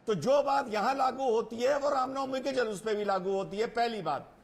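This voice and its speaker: A man's voice: extremely high pitch, normal speed. A man speaking as a TV debate panelist, making his argument point by point in a rhetorical, pointed way. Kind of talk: argumentative TV commentary.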